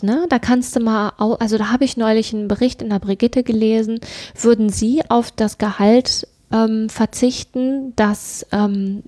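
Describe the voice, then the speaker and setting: On a podcast, a middle-aged female co-host speaks with emphasis in a casual discussion, circling back to repeated phrases and asking rhetorical questions. Her pitch is on the high side with a dark tone, in a dry, clean studio recording.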